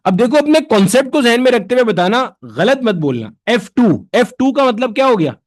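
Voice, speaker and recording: A man leads a physics lesson in a high, bright-toned voice. He talks to the class casually, firing off questions and answering them himself. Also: very animated, fairly quick. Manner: conversational, answers his own questions in students' voices. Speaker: physics teacher. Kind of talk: classroom lecture.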